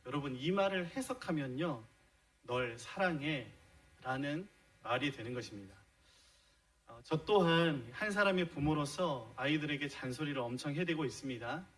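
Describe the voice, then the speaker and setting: A man's voice: fairly high pitch, lively intonation, moderate pace, a bit bright, rough recording. A middle-aged man preaching a sermon in a church, explaining his points earnestly and posing rhetorical questions to the congregation. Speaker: pastor. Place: church sanctuary.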